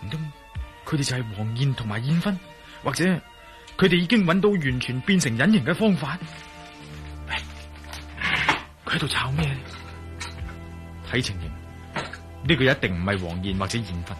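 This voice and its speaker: A man's voice: medium pitch, big pitch swings, moderate pace, long pauses, music in the background, close to an everyday voice. An actor in a Cantonese radio drama playing a wry, level-headed adventurer who mutters his thoughts aloud, with a Cantonese accent. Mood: musing. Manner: wry, muttering inner monologue. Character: wry, cool-headed male adventurer hero. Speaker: lead and narrator of his own thoughts.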